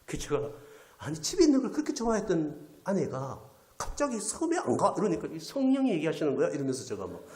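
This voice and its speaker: A man's voice: a little high, fast talker. Guy preaching, tells stories with lots of up and down in his voice, echoey church. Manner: animated storyteller, acting out quoted voices, drops to near whisper. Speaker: pastor. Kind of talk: storytelling sermon. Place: church sanctuary.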